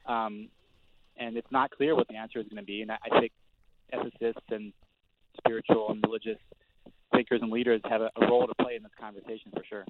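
A man's voice: fairly low pitch, little pitch movement, fast. A male reporter speaking as a guest in a panel discussion, hesitant with many fillers and restarts. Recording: tinny phone line with clear noise.

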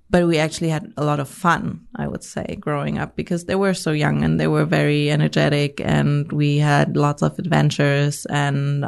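Woman from germany, interview guest, gravelly yet smooth, flat delivery, studio podcast. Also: low voice. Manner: thoughtful, with frequent fillers and restarts. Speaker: guest, media company CEO. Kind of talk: reflective interview conversation.

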